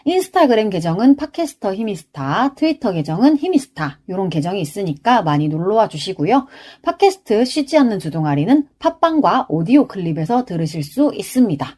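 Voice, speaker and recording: A young woman hosting her own podcast, chatting casually and quickly with the listeners. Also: mid-range voice. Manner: chatty, lively, talks fast and quick to laugh. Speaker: podcast host. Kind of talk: casual solo podcast chat.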